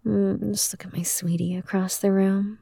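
A woman whispering softly and soothingly in an ASMR roleplay, close to the microphone. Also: mid-range voice, flat delivery, normal speed, creaky, husky, no echo.

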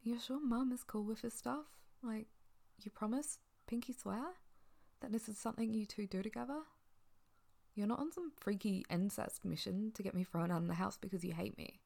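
A woman playing a doting older sister in an intimate audio roleplay, speaking softly and often in a whisper, hesitant and reassuring. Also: mid-range voice, moderate pace, gravelly. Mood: nervous.

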